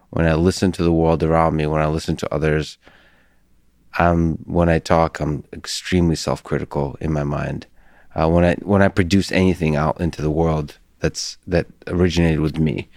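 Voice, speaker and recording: A man with Russian as his first language, hosting a podcast in a soft-spoken, halting way with many restarts. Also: low voice, no room sound, studio quality. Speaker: podcast host. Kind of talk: casual conversation.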